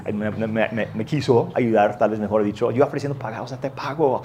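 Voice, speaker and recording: A man telling a lively, self-mocking anecdote as part of a sermon, jumping into the voices of the people in the story. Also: fairly low pitch, a little fast, slight background noise. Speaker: preacher.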